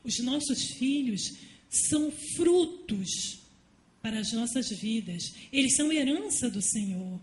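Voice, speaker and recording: A woman giving a fervent sermon at a women's church service, mixing homely stories with loud appeals. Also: on the high side, lively intonation, slow. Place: church hall. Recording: echoey church room, faint noise.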